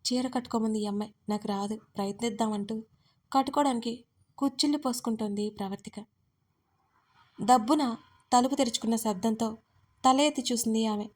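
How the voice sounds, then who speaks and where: Woman reading a romance audio story, steady, kinda high pitched. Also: a little fast, pauses often. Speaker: story narrator. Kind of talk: scripted romance narration.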